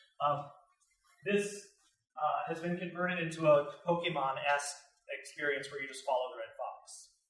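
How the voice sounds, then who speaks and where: A man's speech with big swings in loudness, long, frequent pauses and audible room echo. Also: fairly high pitch for a man, ordinary pitch variation. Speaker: tech entrepreneur and speaker. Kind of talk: keynote talk to an audience. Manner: fast; hesitant, many fillers.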